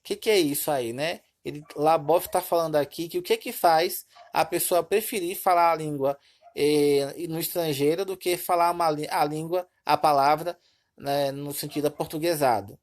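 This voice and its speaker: A woman from Brazil teaches a recorded Portuguese lesson in a low, darkish voice at a moderate pace. She explains step by step, repeating points and checking in with students by asking "tá bom?"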